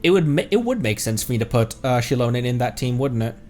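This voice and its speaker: A male VTuber chats casually over a game stream, rambling and thinking aloud. His pitch moves around a lot, and music plays faintly behind his voice. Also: expressive, fast, a little mellow. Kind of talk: casual livestream chat while gaming.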